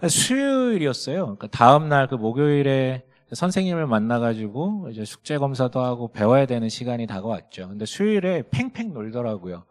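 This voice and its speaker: A man's voice: medium pitch, big pitch swings, brisk, few pauses. A man in his thirties, a pastor preaching a sermon, telling a story about his son and acting out their dialogue. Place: church sanctuary.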